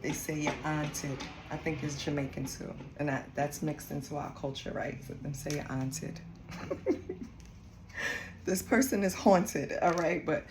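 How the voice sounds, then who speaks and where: A woman's voice: low-pitched, unhurried. A woman from Costa Rica giving a casual tarot reading, talking bluntly and swearing freely. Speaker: tarot reader. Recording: echoey room with steady background noise.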